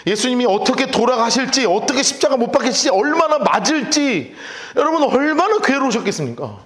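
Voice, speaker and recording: Pastor guy giving a sermon, high voice, swings all over the place, super dramatic storytelling. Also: fast. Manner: animated, dramatic storytelling, talks directly to children.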